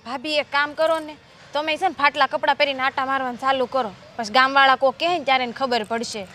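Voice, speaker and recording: An actress with a Kathiyawadi accent playing a chatty village sister-in-law who gives gossiping advice. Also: female voice, high voice, fairly even intonation, fast talker, sharp tone, a little hiss or hum. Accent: Kathiyawadi Gujarati. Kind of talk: village family drama acting.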